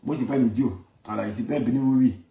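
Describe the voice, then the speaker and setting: Rapid-fire and mellow at a medium pitch, an Ivory Coast political commentator delivers a loose, heated rant, repeating himself and pressing his argument. He speaks with an Ivorian accent, and the audio sounds spacious and echoey.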